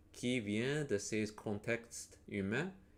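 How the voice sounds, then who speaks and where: Pacing his words very slowly, a man talks at a medium pitch. His pitch variation is ordinary. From United States. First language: not French; French is third language (speaking French). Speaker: professor. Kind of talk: lecture. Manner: halting, with hesitations.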